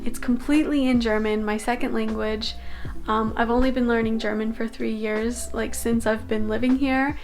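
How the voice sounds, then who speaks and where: A young woman from Canada chats to her vlog camera with a slightly high voice. She rambles easily, dropping fillers and small laughs. Soft music plays underneath. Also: fairly even intonation, normal speed. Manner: chatty, filler-heavy, laughs often. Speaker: vlogger. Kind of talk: casual vlog talk to camera.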